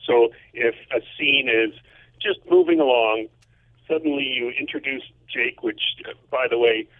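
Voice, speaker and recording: A man's voice: medium pitch, moderate pace, narrow, tinny audio. A man talking casually as a show's composer, explaining his work. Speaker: composer who scores the show.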